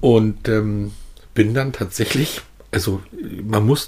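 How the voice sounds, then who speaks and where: Speaking at a very slow pace, a man sounds somewhat breathy and shows ordinary pitch variation. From northern Germany, Bremerhaven. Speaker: business owner. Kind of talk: interview.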